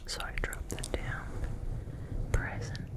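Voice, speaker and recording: Noticeable background noise surrounds a woman who is whispering at a very slow pace. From Mexico. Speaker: ASMR content creator. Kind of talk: ASMR storytime. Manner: whispered; soft-spoken.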